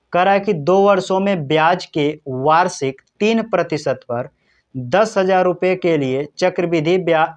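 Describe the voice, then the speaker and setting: A man's voice: fairly high pitch, lo-fi sound. A man teaching exam-prep maths, working through problems step by step and talking straight to his viewers. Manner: step-by-step explaining, addresses viewers directly.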